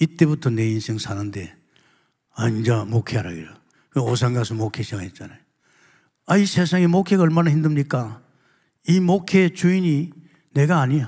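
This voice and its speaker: With a dark, mellow tone and some breathiness, the voice moves at a moderate pace with very wide pitch swings and long, frequent pauses over a quiet background. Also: man, fairly high pitch for a man. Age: 80s+. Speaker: pastor. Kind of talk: sermon. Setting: church. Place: church. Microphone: handheld.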